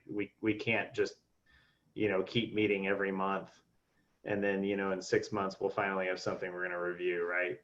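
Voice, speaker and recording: Guy running a board meeting, kinda low voice, lots of um and restarts, dull muffled sound. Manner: halting, many restarts and fillers. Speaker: board member leading the meeting. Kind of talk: casual meeting discussion.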